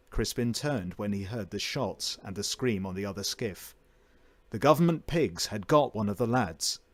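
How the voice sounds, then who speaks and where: Low-voiced man narrating dramatic fiction. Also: no room sound. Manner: theatrical, emphatic storytelling. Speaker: voice-over narrator.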